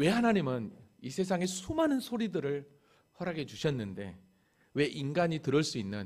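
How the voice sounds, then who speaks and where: Long, frequent pauses break up a man's speech at a moderate pace. His pitch swings very widely, and there is audible room echo. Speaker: pastor. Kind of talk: sermon. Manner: halting with fillers.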